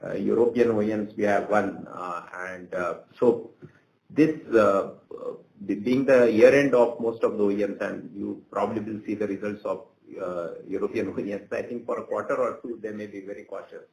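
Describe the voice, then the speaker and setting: A man speaks in a low register with a creaky edge. He answers questions on an earnings call in halting phrases. The room adds noticeable echo. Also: fairly even intonation, a little mellow. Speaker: company executive. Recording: roomy echo, faint background noise.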